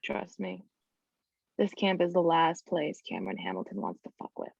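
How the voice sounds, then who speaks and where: A woman's voice: lowish voice, big pitch swings, normal speed, creaky, darkish tone, breathy edge, dry recording, heavily acted. A woman playing a tough, urgent woman of a strikers' camp at a table read. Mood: tough, defiant. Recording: dry, slightly dull close sound.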